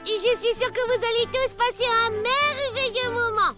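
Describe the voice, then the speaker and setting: A woman's voice: very high voice, normal speed. A woman voicing a cheerful announcer in a children's cartoon, formally proclaiming a grand ceremony, with enthusiasm. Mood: ceremonial, welcoming. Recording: loud music under the voice.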